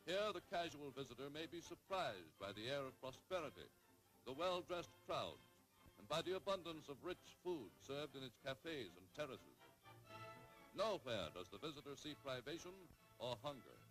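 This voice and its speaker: A man narrating an old 1930s newsreel in a dramatic, emphatic announcer's delivery with measured pauses. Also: mid-range voice, very animated, fairly bright tone, soft background music, low-quality recording.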